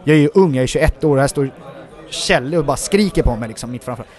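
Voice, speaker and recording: Male actor guest, mid-pitch voice, chatty anecdotes full of fillers. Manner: rambling, many filler words, animated retelling. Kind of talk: casual interview storytelling.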